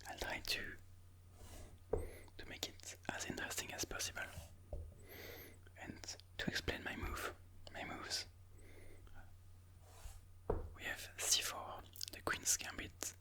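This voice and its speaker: An ASMR host whispers chess commentary in a breathy, unvoiced hush, walking through each move slowly and deliberately.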